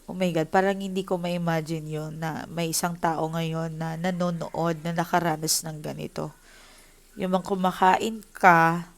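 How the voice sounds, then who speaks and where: A woman gives a casual tarot reading to her viewers. Her voice sits a touch low, and she talks in an emotional, heartfelt way, switching between Tagalog and English as she speaks to them directly. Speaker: tarot reader.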